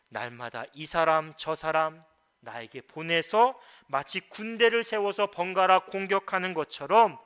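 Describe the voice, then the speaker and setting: A male pastor giving a sermon in an earnest manner, swinging between soft, low phrases and emphatic ones.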